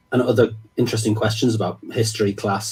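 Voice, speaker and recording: A man with a British accent speaks in a fairly low pitch. His delivery is monotone and flat, with a somewhat breathy quality. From Britain. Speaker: novelist and podcast co-host. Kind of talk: panel discussion.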